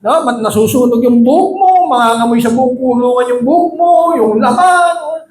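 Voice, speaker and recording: Man, preacher, high voice, sermon, calls for amens, loud high exclamations and low asides, echoey room. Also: moderate pace. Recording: echoey room with faint ambient noise.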